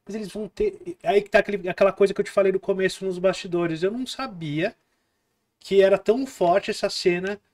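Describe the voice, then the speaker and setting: Casting: man in his forties, podcast host, high voice, blunt casual talk, close boom mic in a small studio. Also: darkish tone. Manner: frank, swears casually, quick interjections.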